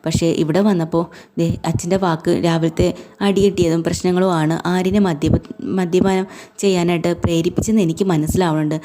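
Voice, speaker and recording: A woman casually retelling a TV serial episode, briskly walking through each scene and who says what. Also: lowish voice, steady tone, warm tone. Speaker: TV serial recap narrator.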